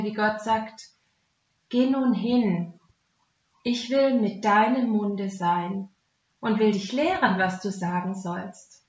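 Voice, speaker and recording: A woman's voice: medium pitch, a little mellow. A woman with a Swabian German accent giving a devotional talk as a Christian speaker, plain-spoken, earnest and conversational. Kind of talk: devotional talk mixing Bible teaching and personal testimony. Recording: roomy echo, dull muffled sound.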